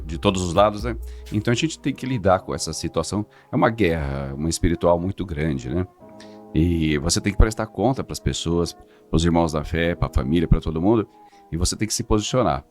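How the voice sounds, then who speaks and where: A middle-aged man, giving an earnest, halting religious testimony as a podcast guest. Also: sits low, darkish tone. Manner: earnest, halting, restarts words.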